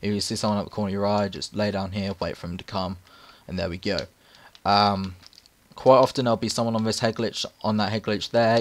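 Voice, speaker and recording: A hoarse, raspy man narrating casual gameplay tips over footage, rambling with many fillers. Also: fairly low pitch. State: hoarse from repeated takes. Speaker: gaming channel host.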